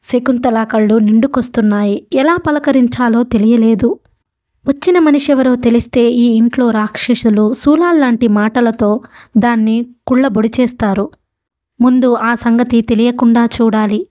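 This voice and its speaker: A woman narrating a novel in a steady, measured storytelling voice. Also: on the high side, no room sound, studio quality.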